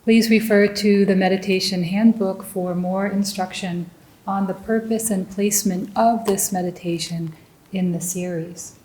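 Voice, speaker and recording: Slow, mellow woman guiding meditation. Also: medium pitch, steady tone, echoey room, poor audio. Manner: gentle, deliberate, with long pauses between short phrases. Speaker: meditation teacher. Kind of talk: guided meditation.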